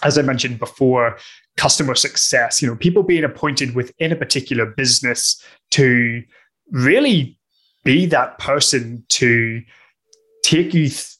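A Northern Irish man speaks as a podcast guest with a bright, forward voice. He explains at an easy conversational pace, stopping often with fillers and restarts as he works through his thoughts. His delivery is relaxed and unscripted. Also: medium pitch, measured pace. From Northern Ireland. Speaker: guest discussing customer success. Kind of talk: conversational interview answers.

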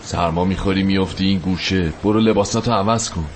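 An actor playing a weary, blunt companion who speaks cuttingly and with exasperation. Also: male voice, low voice, fairly even intonation, slight background noise, close to an everyday voice. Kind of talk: drama acting.

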